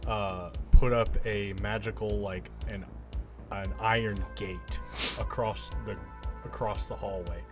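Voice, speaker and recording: Male tabletop player, lowish voice, casual and thinking aloud, clear music behind him. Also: steady tone, slow. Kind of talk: casual game table chat. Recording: music clearly audible under the voice.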